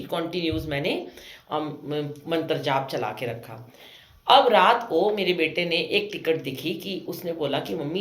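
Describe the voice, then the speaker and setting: A woman's voice: deep voice, fairly bright tone. A woman, telling a devotional story about her own life in a chatty way, full of fillers and with her family's words acted out. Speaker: satsang storyteller. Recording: roomy echo.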